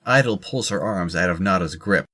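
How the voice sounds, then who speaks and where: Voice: sits low, moderate pace, bright, forceful tone. A narrator reading scripted descriptions of the action in an audio drama.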